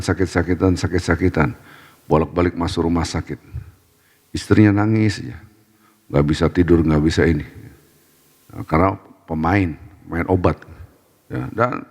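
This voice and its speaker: A low-voiced male preacher gives a short sermon in a mosque, with his words ringing on in the long reverb of the hall. He tells stories with lively energy, acting out the people in them. Arabic devotional phrases run through his talk.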